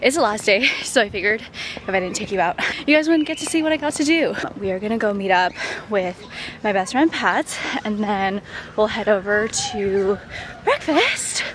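A woman in her twenties, talking casually to a handheld camera in a hotel room, bubbly and chatty, her voice hoarse and nearly gone. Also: mid-range voice, lively intonation, normal speed, long pauses. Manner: bubbly, chatty, addresses viewers as besties. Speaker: vlogger. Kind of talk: casual vlog chat to camera. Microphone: camera held at arm's length.

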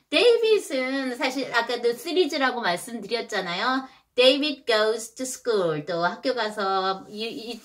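A woman's voice: mid-range voice, a bit bright. A woman in her thirties, a mother, casually explaining picture-book reading to other parents with chatty asides and rhetorical questions.

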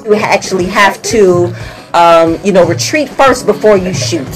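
A woman's voice: on the low side, unhurried, soft background music, poor audio. An American woman co-hosting a radio show, giving news and commentary in a casual way. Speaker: radio co-host. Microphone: studio microphone on boom arm.

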